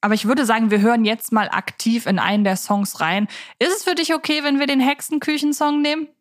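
A woman's voice: fairly high pitch, brisk. A woman co-hosting a podcast, chatting casually as a fan of the subject. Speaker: podcast co-host.

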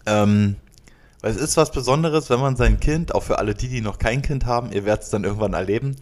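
A man's voice: mid-range voice, brisk. A man in his late thirties from Berlin, co-hosting a casual podcast, joking and hesitating with many fillers and restarts. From Berlin, Germany. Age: 30s. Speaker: podcast co-host. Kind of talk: casual chat.

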